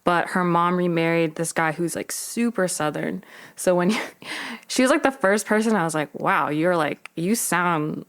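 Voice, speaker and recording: A woman's voice: fairly low pitch, measured pace. A young woman from Alabama, a podcast guest with a neutral accent, chatting with a lot of likes. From Alabama, United States. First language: Korean. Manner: chatty, storytelling with many likes. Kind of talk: casual chat.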